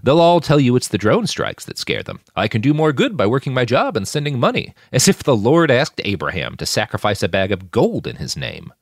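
A man's voice: mid-range voice, huge pitch swings, a little fast, vocal fry, hardly any pauses, dry recording, studio quality, pitched above the performer's own voice, exaggerated voice. A man voicing a stern, zealous middle-aged preacher who leads a smuggling ring, speaking in a grandiose sermonizing way.

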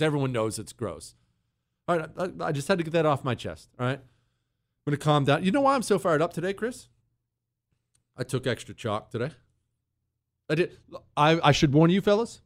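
A man hosts a talk radio show from a studio mic. His pitch swings widely as he rants in mock outrage. He teases a co-host in a blustering, playful way. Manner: animated, ranting, mock-outraged, teasing a co-host. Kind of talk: opinionated talk radio monologue.

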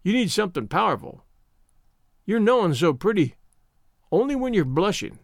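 Guy doing a sneaky old witch granny, folksy talk, kinda high, dry audio. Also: big pitch swings, moderate pace, creaky, no echo, full character voice. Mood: sly. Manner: folksy rustic dialect, leering. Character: scheming old crone witch, cackling, rustic.

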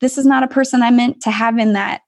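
A woman's voice: a little high, steady tone, fast talker, darkish tone. A woman hosting a faith-based interview, reflective and encouraging as she draws out her guest. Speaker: podcast host.

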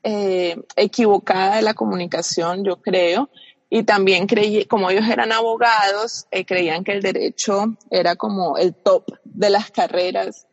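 A woman's voice: mid-range voice, fairly even intonation, measured pace, no room sound, long reverb tail, highs cut off. A woman from Colombia with a Caribbean coast accent, a guest in a casual interview, talking reflectively with many fillers and restarts.

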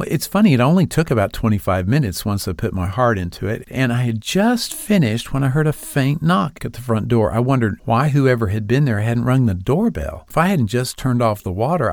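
A man's voice: mid-range voice, darkish tone, no echo, clean studio sound. A man hosting a devotional podcast, reading aloud an allegory of his own in an earnest storytelling manner. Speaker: podcast host.

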